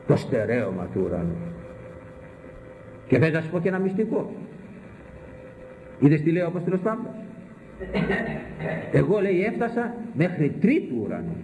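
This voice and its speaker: Animated older man preaching, high voice. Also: pauses often. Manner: animated, mocking, rhetorical questioning. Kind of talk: sermon on scripture. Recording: echoey room.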